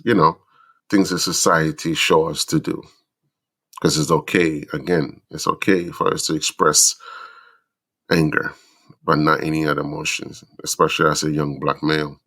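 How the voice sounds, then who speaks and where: Super deep voiced middle-aged guy, stuffy nose, earnest preachy podcast host talking to dads. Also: fairly bright tone. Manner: earnest, preachy, slow deliberate lists. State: stuffy from the flu. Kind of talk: reflective monologue to fathers.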